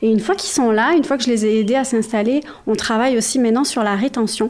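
A woman with a normal speaking voice talks at a fairly high pitch, using ordinary pitch variation. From Provence, France. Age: 30s. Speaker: regional youth settlement advisor. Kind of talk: interview.

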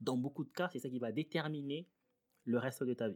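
A man speaks in a normal speaking voice, fairly high in pitch, at a moderate pace, in a very clean recording with a silent background and a dry, close sound with no echo. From Congo, then Quebec from age 12. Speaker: guest speaker on racism. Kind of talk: interview.

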